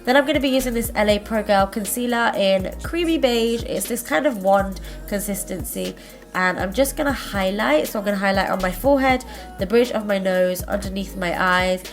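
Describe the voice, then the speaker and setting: A woman's voice: mid-range voice, moderate pace, soft background music. Stuffy-nosed woman chatting through steps. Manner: chatty, friendly, self-correcting. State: congested, stuffy-nosed from a cold. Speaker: makeup tutorial host. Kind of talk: casual step-by-step tutorial narration.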